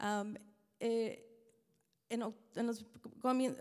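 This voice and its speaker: The woman's voice sits fairly high, her intonation fairly even. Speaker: prayer group member. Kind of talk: testimony.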